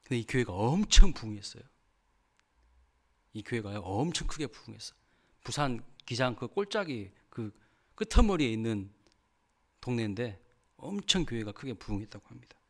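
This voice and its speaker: A man's voice: mid-range voice, big pitch swings, normal speed, long pauses. A male pastor giving a sermon, telling a story and asking the congregation questions.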